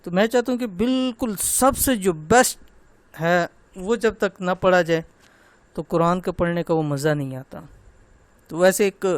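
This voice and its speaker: A man teaching Quran recitation, slowly spelling out syllables and pointing out common mistakes. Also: sits high, no room sound. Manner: slow, drawn-out demonstration of syllables, then gentle personal talk. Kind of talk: online tajweed lesson.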